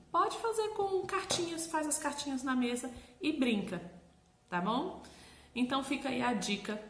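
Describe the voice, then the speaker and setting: A woman's voice: mid-range voice, echoey room, slight background noise. A woman with a Brazilian Portuguese accent, a literacy teacher giving encouraging, instructional advice to parents. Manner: animated, encouraging, checks in with "tá bom?".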